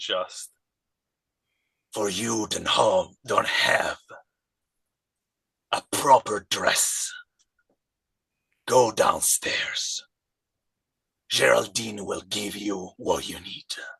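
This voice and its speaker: A put-on, raspy, growling character voice speaks very slowly, with long, frequent pauses. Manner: lashing out, harsh.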